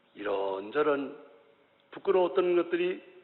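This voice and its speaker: At a fairly slow pace, a man talks in a space with audible room echo. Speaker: retired pastor. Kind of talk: sermon. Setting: church.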